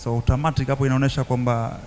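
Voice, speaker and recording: East african guy, native swahili speaker, earnest panel guest, mid pitch, some noise behind him. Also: flat delivery, very fast, darkish tone. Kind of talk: talk show discussion, mixing two languages.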